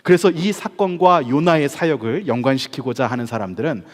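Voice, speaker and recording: Korean pastor preaching in a reverberant hall. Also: male voice, medium pitch, fairly quick. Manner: storytelling, conversational preaching with rhetorical questions. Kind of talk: sermon.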